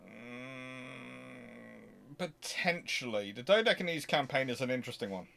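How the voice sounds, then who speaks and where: Male history stream host, mid-pitched, casual and unscripted, digressive, hesitant delivery with frequent self-corrections. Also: expressive, moderate pace, a bit bright, a little hiss or hum. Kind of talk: casual unscripted question-and-answer talk.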